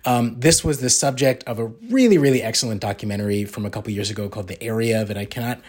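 A man's voice: on the low side, fast, darkish tone, husky. Casual man hosting a news podcast. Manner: conversational, frequent ums and asides. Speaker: podcast co-host.

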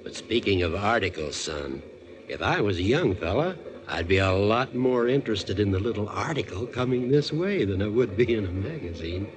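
A male actor in a 1940s radio drama playing a chatty, meddling old gentleman. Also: on the low side, expressive, normal speed, lightly acted. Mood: jovial, nudging. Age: older.

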